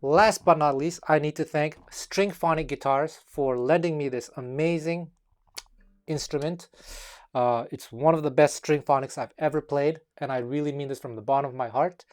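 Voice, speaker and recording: A man from Montreal, Quebec, with a slightly high voice talks straight to the camera about his background. Taiwanese was his first language, and he picks his words with care and fills his pauses with um and uh. He has the relaxed, thoughtful pace of a guitar teacher explaining something to his students. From Montreal, Quebec, Canada. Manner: measured, careful with his words, with frequent um and uh. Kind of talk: talking-to-camera video essay.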